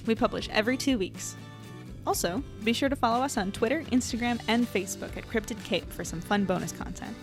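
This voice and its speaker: A woman's voice: fairly high pitch, brisk, music in the background. A woman hosting a podcast, reading scripted credits as its creator.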